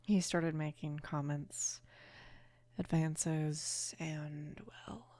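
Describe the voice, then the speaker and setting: A woman of about twenty playing a mafia boss's protective, casual daughter in an intimate ASMR roleplay, speaking softly and unhurriedly, often slipping into a whisper. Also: flat delivery, no room sound. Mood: calm, confiding. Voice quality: soft, breathy whispering mixed with low murmur. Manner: hesitant, unhurried, casual with small pauses. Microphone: close microphone, dry.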